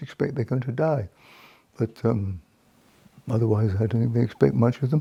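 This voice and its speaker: A man with a dark, mellow, somewhat breathy medium-pitched voice talks fairly quickly with ordinary pitch variation and long, frequent pauses. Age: 80s+. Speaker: retired farmer and poet. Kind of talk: documentary interview.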